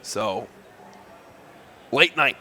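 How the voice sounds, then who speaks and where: Bright-voiced joking male esports caster. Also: medium pitch, animated, extremely slow, slight background noise. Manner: joking, easygoing banter. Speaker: esports commentator. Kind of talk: casual caster banter between matches.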